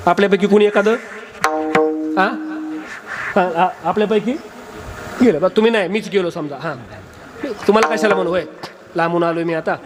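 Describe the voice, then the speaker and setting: A man's voice: high voice, moderate pace, long pauses, crowd noise. A male kirtan preacher giving a comic sermon, teasing and quizzing his audience at a live gathering.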